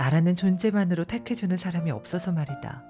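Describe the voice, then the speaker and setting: With music playing in the background, a woman speaks at a fairly slow pace in a soothing tone. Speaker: audiobook narrator. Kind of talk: audiobook reading of essays. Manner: soft, soothing.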